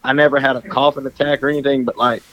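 Hoarse man, coach, rambling casual chat, worn voice, mid pitch. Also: little pitch movement, fast talker, fairly bright tone, dull audio. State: hoarse, losing his voice.

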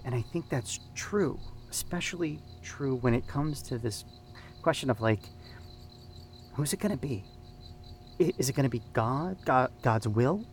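An actor playing an earnest, thoughtful youth ministry leader, talking informally in a halting, searching way. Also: male voice, medium pitch, slight background noise. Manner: hesitant, searching, repeats words. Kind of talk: informal devotional discussion in an audio drama.

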